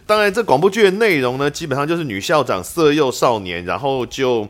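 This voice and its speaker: A man's voice: medium pitch, animated, a little fast. A man with a Taiwanese accent hosting a casual interview, bantering and teasing his guest. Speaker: podcast host.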